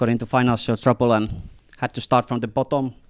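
A man's medium-pitched voice with a Finnish accent, at a moderate pace, in a dry, close sound with no echo. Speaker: podcast host. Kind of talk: interview. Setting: video call.

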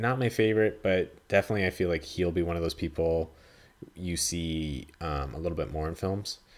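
A man with a Canadian accent talks at a moderate pace in a very deep, low voice with ordinary pitch variation. The recording is very clean, with a silent background. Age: 20s. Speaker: podcast host. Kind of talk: casual solo review. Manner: rambling with fillers.

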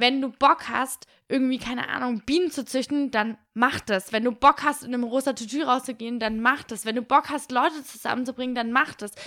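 A woman talks with a high pitch and a bright, sharp tone. She leaves hardly any pauses. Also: ordinary pitch variation, fairly quick pace, big swings in loudness. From Baden-Württemberg, near Stuttgart, later Bavaria. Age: 20s. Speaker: entrepreneur. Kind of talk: casual chat.

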